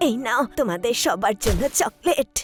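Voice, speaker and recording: A woman voicing a doting but touchy old granny in a cartoon dub, animated in manner. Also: on the high side, moderate pace, over music, natural voice. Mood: sweet, admiring. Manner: animated, swings from sweet to scolding.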